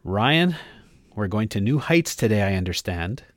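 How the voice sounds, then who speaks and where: A man's voice: fairly low pitch, very animated, measured pace. A man hosting a podcast, asking friendly questions. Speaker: podcast host. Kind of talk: interview hosting.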